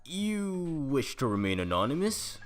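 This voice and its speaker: Man playing an animated, formal charity collector. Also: medium pitch, measured pace. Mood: formal, solicitous. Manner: formal, earnest. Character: polite, formal, earnest male charity collector. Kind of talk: fan audio drama acting.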